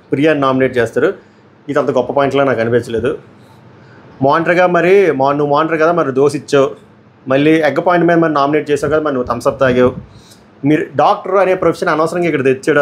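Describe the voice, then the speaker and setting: Guy rattling off a tv episode review, blunt opinions, slightly high voice, talks really fast. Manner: blunt, rapid commentary mixing English words. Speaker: reality show reviewer.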